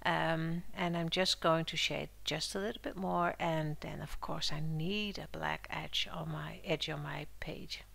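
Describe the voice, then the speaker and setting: A woman hosting a casual art journaling tutorial, a little under the weather, her voice squeaky in places, talking through her steps in a chatty, relaxed way with fillers. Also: unhurried, vocal fry, hardly any pauses. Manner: chatty and relaxed, with frequent fillers and soft laughs. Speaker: art journaling channel host. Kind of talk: casual craft tutorial voice-over.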